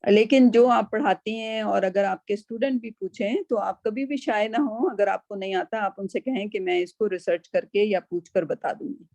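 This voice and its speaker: A woman's voice: medium pitch, steady tone, gravelly, few pauses, darkish tone, no echo. A woman teaching a Quran class over a video call, explaining patiently and often checking in with her students.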